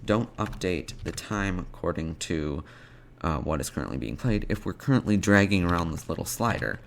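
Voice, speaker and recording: A man presenting an unscripted programming tutorial, thinking aloud in a halting way as he types out code. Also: low-pitched, lively intonation, gravelly, slight background noise.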